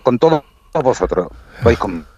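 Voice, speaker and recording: Over slight background noise, a very animated man in his sixties from Spain speaks in a mid-range, darkish voice at a moderate pace, phoning a radio interview from the roadside. On a dull, dry line that keeps dropping, he responds matter-of-factly and says words again when they're missed.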